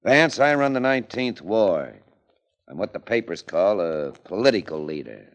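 An actor playing a blunt, cocky male political boss in a 1940s radio drama, talking in an unhurried, menacing way. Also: lowish voice, big pitch swings.

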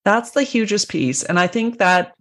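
A woman in her forties with a medium-pitched voice talks as a podcast co-host. Her delivery is informal and conversational, with hesitant phrasing and repeated words as she finds her point. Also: expressive, normal speed. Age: 40s. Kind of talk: casual conversational health podcast.

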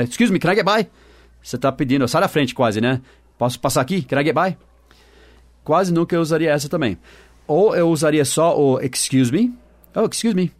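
A man's voice: medium pitch, dry recording, studio quality. Chatty man teaching in a podcast. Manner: chatty, repeats and slowly spells out example phrases. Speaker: English teacher and podcast host. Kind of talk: casual podcast lesson.

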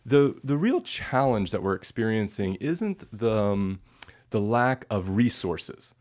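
A man's voice: fairly low pitch, very animated, takes it slowly, darkish tone. A man being interviewed as a researcher, explaining ideas patiently with simple everyday examples and often checking in with "right?". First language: English. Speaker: guest researcher.

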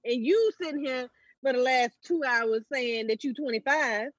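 A woman in her thirties co-hosting a podcast, telling stories in a relaxed, laid-back way. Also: high voice, normal speed, no room sound, muffled recording. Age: 30s. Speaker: podcast co-host. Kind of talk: casual podcast chat.

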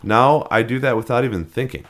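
This podcast co-host talks fairly quickly in a mid-range voice. He chats casually and rambles, restarting often, leaning on fillers, and laughing whenever odd names come up.

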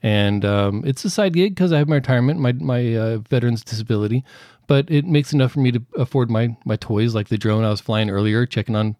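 A middle-aged man with a deep voice, explaining audio equipment as a podcast guest with halting restarts. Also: darkish tone, no room sound, clean studio sound. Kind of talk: casual explanatory interview.

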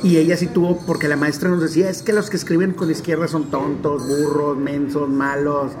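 Chatty northern Mexican man, higher voice. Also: fairly quick, a crowd in the background. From Monterrey, Mexico. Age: 40s. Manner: chatty, animated, many fillers. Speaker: stadium DJ and announcer. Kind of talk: relaxed storytelling interview.

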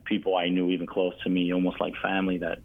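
A man's voice: deep voice, completely flat delivery, fast. An American man talking casually and earnestly as an interview guest, rambling a little, over a tinny, narrow line. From United States. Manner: rambling, earnest, often says "you know". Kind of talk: casual conversation.

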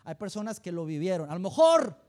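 A man's voice: high-pitched, brisk. A man with a Mexican accent, a pastor preaching a sermon who tells humorous stories and speaks straight to the congregation. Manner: animated, humorous storytelling, direct address to the congregation.

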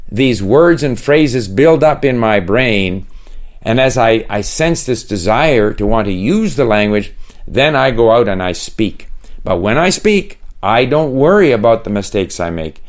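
A man giving a teaching talk on learning languages, calm and steady, reassuring the listener. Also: mid-range voice. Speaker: guest teacher. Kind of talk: instructional monologue.

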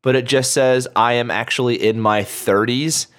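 A man in his thirties hosting a casual podcast chat, relaxed and laughing often. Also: medium pitch, moderate pace. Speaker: podcast host.

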